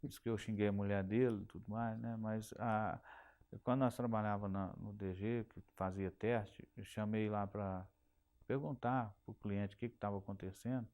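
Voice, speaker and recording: A man's voice: lowish voice, fairly even intonation, moderate pace, a little mellow. Hesitant Brazilian man from Minas Gerais. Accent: Brazilian Portuguese, Minas Gerais. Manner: hesitant, repeats and restarts words. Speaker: interviewee, telephone company technician. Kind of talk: oral history interview.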